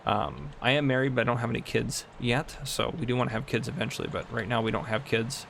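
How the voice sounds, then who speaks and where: Young man, twenties, gravelly voice, chatty rambling gameplay commentary, faint background noise. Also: medium pitch, steady tone, fast, fairly bright tone. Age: 20s. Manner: chatty, rambling, laughs often. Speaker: gaming channel host. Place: home room.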